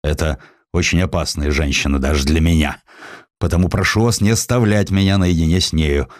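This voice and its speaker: A man voicing a gruff, arrogant middle-aged British magnate in a storybook reading, gloomy, blunt and grandiose. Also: extremely low pitch, a little fast, dry recording, studio quality. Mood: confiding, impressed.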